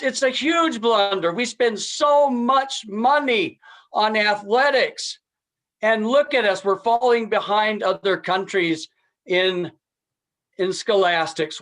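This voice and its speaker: A man's voice: sits high, fairly bright tone. A man giving an impromptu persuasive speech as a contestant, earnest and emphatic, repeating key phrases. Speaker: contest speaker.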